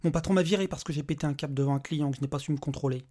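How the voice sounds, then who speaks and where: A man voicing a desperate human father who shouts, curses and bursts out in anger in a husky voice. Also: fairly high pitch, racing, close to an everyday voice. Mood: despairing rant. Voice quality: shouting, cursing, explosive. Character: volatile desperate human father, furious then broken.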